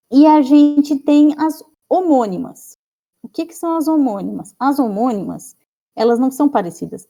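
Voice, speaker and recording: A woman's voice: on the high side, creaky, mellow. A woman with a Brazilian Portuguese accent teaching a grammar lesson in an online class, explaining patiently and ending phrases with "né?" and "tá?". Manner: explanatory, frequent "né?" and "tá?" tags.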